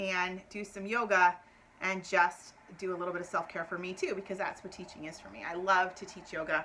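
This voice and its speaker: A woman speaks at a moderate pace in a medium pitch. Noticeable background noise is present. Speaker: yoga instructor. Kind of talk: yoga class instruction. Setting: home video recording. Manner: animated.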